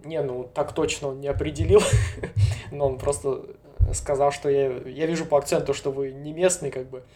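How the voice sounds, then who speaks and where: A young man from Novosibirsk, a guest in a casual conversation, who talks in a relaxed, hedging way and chuckles often. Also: medium pitch, normal speed. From Novosibirsk, Siberia, Russia.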